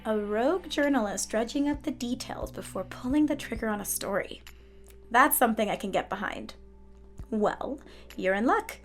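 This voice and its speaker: A woman's voice: on the high side, normal speed, faint music behind, lightly acted. A woman playing a sly, helpful hospital nurse in a fiction podcast, self-assured and teasing. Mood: conspiratorial.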